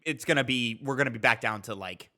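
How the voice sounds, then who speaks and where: A man's voice: mid-range voice, quick pace, pushed and bright. A man chatting casually about games as a podcast co-host, informal and emphatic. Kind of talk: casual gaming chat.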